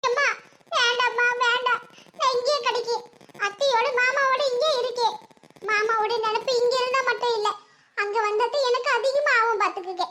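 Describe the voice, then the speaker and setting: A woman voicing a gentle young widowed mother with a southern Tamil Nadu accent, pleading softly. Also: extremely high pitch, fairly even intonation, a little fast, a little hiss or hum. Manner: pleading, soft.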